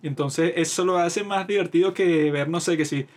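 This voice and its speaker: Venezuelan guy chatting on a podcast, voice a bit high, super talkative and slangy. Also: normal speed. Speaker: podcast co-host. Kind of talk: casual chat.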